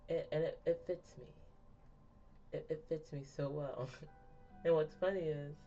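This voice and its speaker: A woman's voice: deep voice, fairly even intonation, a little slow, warm tone. A woman in her thirties chatting candidly to her viewers in a rambling way, often laughing at herself. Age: 30s. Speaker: vlogger. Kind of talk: candid personal chat to viewers. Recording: dull lo-fi sound, faint music behind.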